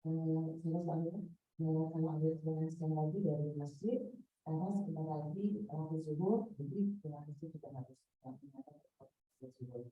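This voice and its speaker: Low-voiced woman over a tinny, echoey line. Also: fairly quick, far from the mic. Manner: hesitant, with fillers. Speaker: question asker at a religious talk. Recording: tinny phone-like line, echoey, faint hiss.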